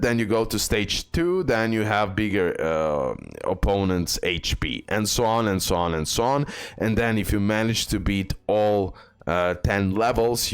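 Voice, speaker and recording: Low-voiced man explaining a game update. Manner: repetitive, step-by-step explaining with "okay?" check-ins. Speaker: gaming channel host.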